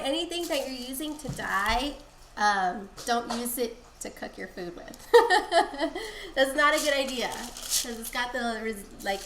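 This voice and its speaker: A woman's voice: on the high side, a bit bright. A woman with a congested, nasal voice from a cold, chatting her way through a casual live-stream dyeing tutorial at home. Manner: chatty, rambling explanations. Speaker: craft streamer. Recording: echoey room, faint background hiss.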